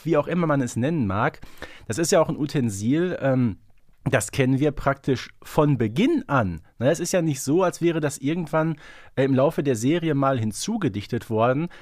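Guy podcast host, casual n expressive, really lively pitch, dry close sound. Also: dry recording. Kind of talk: casual fan podcast chat.

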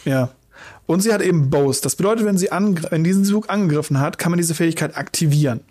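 Slightly high-voiced man explaining card rules. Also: fast talker, a little mellow, husky. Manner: explains rules in detail, dry ironic asides. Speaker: podcast co-host. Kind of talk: casual podcast chat about card games.

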